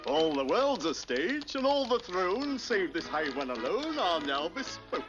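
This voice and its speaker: An actor playing a grandiloquent stage trickster's man who declaims slowly in archaic phrasing. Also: high voice, sing-song, music in the background. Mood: grand.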